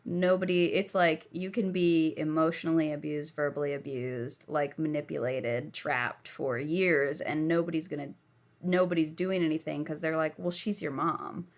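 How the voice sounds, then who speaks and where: A woman's voice: low-pitched, steady tone, moderate pace. A young woman from the southern United States, telling her life story frankly while lying down as a podcast guest.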